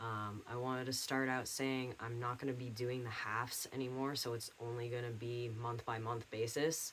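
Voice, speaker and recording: Noticeable background noise sits behind a man speaking at a fairly slow pace. His medium-pitched voice keeps a fairly even intonation. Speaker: vlogger documenting transition. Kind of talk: casual vlog update. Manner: casual, many filler ums.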